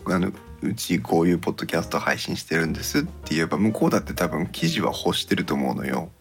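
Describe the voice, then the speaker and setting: A man's voice: deep voice, lively intonation, fast talker, faint music behind. A man co-hosting a podcast in casual conversation, encouraging and offering suggestions. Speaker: podcast co-host.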